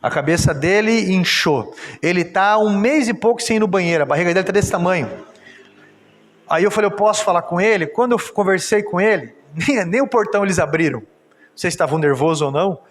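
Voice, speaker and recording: Brazilian pastor guy preaching, kinda high voice, church echo all around, storytelling then fired up. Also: fairly quick. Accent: Brazilian Portuguese. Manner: storytelling testimony, rising to emphatic exhortation. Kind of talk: sermon. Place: church sanctuary. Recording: church hall reverb.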